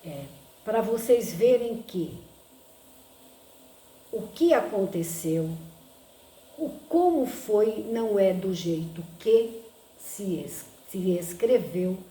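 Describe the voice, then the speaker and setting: Brief: Brazilian woman, casual vlog chat, slow and mellow, lots of filler tags, echoey room. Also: medium pitch, lively intonation. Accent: Brazilian Portuguese. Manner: chatty, filler-heavy with frequent "né?"; says she talks loudly. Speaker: vlogger.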